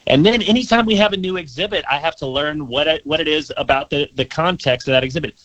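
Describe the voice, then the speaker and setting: A young man who works as a museum tour guide, answering interview questions eagerly and repeating words as he rushes. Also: a little high, a bit bright, no echo, low-quality recording. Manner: eager, enthusiastic, repeats words when rushing.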